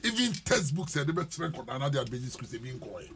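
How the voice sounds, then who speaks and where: A man's voice: medium pitch, big pitch swings, fast talker. A middle-aged man with a Ghanaian English accent, a panelist arguing hard in a political radio debate in a studio. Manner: forceful, emphatic, talks over others. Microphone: studio mic on boom.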